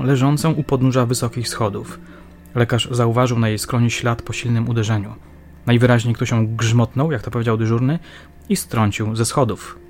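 Brief: male audiobook narrator for a crime novel, steady and measured. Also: medium pitch. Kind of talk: scripted narration.

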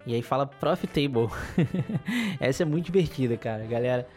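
A man's voice: medium pitch, lively intonation, fast, a little mellow, soft background music. A man, hosting a casual solo podcast in a rambling, chuckling, playfully griping way. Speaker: podcast host.

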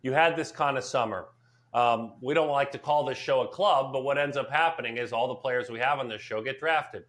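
A man's voice: medium pitch, a little fast, a bit bright. A man hosting a conversational sports podcast, speaking earnestly and often repeating words for emphasis. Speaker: podcast host.

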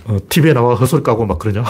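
A man's voice: mid-range voice, brisk, slightly rough. A man giving casual political commentary in a sarcastic, mocking way, with scoffing asides and emphatic rises to drive his points home.

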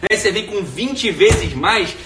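A man's voice: sits high, lively intonation, measured pace, distant mic, noisy background. A man with a Brazilian Portuguese accent hosting a live stream from home, rambling in slang and tagging his sentences with "né". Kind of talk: casual live stream monologue. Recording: echoey room, voice off mic.

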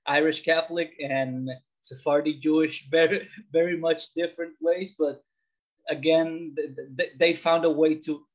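A man's voice: fairly high pitch, level tone, measured pace. A man from the Dominican Republic, around forty, talking about himself casually as an interview guest. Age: late 30s or older. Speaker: podcast guest. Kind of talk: casual interview, personal storytelling. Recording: slightly dull, lo-fi audio.

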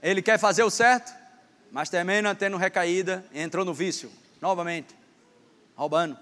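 His voice sits high and sounds pushed and bright, moving at a moderate pace. Before a congregation in a church hall, the man gives a lighthearted sermon, acting out a lesson on stage and teasing a volunteer. Long reverb from the hall and faint background noise are audible.

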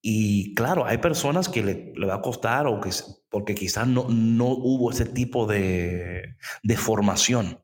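Animated man in his late forties sharing faith. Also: lowish voice, unhurried. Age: late 40s. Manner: animated, switches into English, acts out prayers. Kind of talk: faith conversation.

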